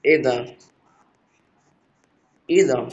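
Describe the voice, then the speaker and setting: A man's voice: mid-range voice, takes it slowly. A man with an Egyptian accent giving casual, jokey commentary over gameplay, exclaiming often. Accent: Egyptian Arabic. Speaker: gaming youtuber. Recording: dull lo-fi sound with faint noise.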